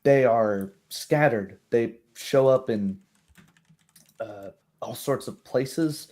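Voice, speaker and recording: A man's voice: medium pitch, slow, a little mellow, close to an everyday voice. A man voicing an unperturbed, plain-spoken village woman in a tabletop roleplay, in a hesitant, matter-of-fact way.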